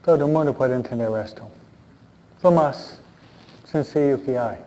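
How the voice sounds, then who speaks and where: A man speaking as a Catholic priest, reading the Gospel and preaching a homily in a deliberate way with frequent pauses. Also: dark tone, long reverb tail. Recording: dull, muffled low-fidelity sound.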